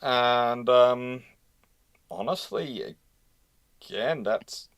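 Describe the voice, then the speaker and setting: A man hosts a live question-and-answer session in a mid-pitched voice. He reasons aloud in a discursive way, circling back over phrases while he hunts for the right word. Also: extremely slow, a bit bright, smooth. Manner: discursive, repeats phrases while searching for words. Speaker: host of a live naval history question session.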